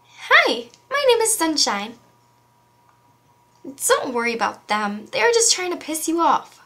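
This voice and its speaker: A chirpy, sassy girl, acted out by a woman for an amateur series audition. Her voice sits high and perky, with a cheeky edge. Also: huge pitch swings, measured pace, a bit bright, exaggerated voice. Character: bright, perky girl with sun powers.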